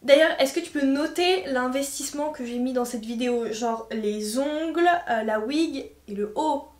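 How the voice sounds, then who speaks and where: A slangy, animated woman chats through a makeup review, laughing often. Her voice sits fairly high and rings in a room with clear echo. She talks straight to her camera from home. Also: moderate pace. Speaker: beauty vlogger. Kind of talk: casual makeup review chat.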